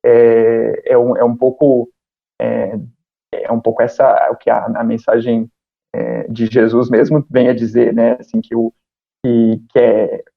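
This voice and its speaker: A man's voice: medium pitch, completely flat delivery, unhurried, gravelly. Thoughtful hesitant man. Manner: thoughtful, hesitant, many fillers. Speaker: podcast guest. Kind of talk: casual conversation. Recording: dull lo-fi sound.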